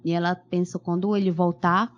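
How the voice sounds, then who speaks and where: A woman with a Brazilian Portuguese accent interpreting her husband's English line by line, with quick restarts and self-corrections. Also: on the low side, flat delivery, dull audio. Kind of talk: live consecutive interpreting.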